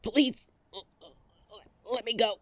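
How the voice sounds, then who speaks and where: A woman's voice: a little high, fairly even intonation, slow pace, no echo, studio quality. A woman playing a desperate but defiant werewolf in an audio drama, with a pleading, exasperated manner. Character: desperate, defiant female werewolf seeking her mate.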